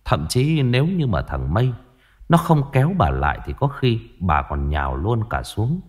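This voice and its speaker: A man narrating a ghost story in a lively way. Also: fairly low pitch, normal speed.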